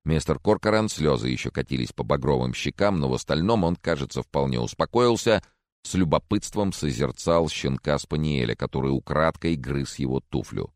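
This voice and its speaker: A man narrating an audiobook in a calm, measured reading voice. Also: rumbling low, no room sound, clean studio sound.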